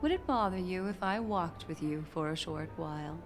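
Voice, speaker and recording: An actress playing a poised, mysterious and teasing woman in a video game, measured and coy. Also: fairly low pitch, lively intonation, noisy background, lightly acted. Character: poised, mysterious, teasing adult woman, enigmatic fortune-teller type. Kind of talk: video game character acting.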